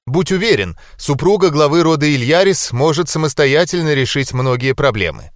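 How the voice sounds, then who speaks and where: A man's voice: on the high side, expressive, normal speed, no echo, studio quality, voice pushed up, natural voice. Man voicing an anxious young angelic wife. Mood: earnest. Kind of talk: audiobook character voicing.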